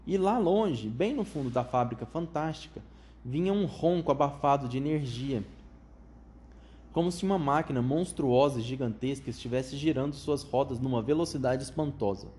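A man's voice: mid-range voice, normal speed, a little mellow, slight background noise. Man narrating a storybook. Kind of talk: reading a children's book aloud.

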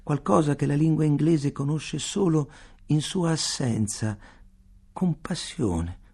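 A man reads a novel aloud for radio in a measured, expressive storytelling manner. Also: fairly high pitch, husky. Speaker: reader. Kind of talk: literary reading for radio.

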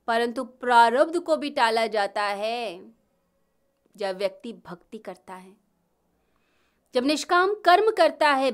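Slow-preaching woman giving a devotional talk. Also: fairly high pitch, fairly bright tone. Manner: slow, measured preaching with rising and falling emphasis. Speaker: spiritual speaker. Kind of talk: devotional discourse.

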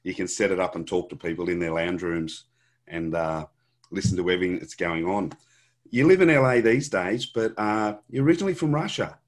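Deep-voiced man hosting a podcast. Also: fairly quick. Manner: relaxed, short affirmations, repeats words. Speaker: podcast host. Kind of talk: casual interview chat. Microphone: video call.

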